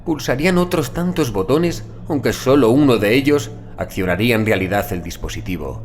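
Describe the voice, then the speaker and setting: A man narrating a scripted first-person horror story in a measured, deliberate literary manner. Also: on the low side. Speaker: audiobook narrator.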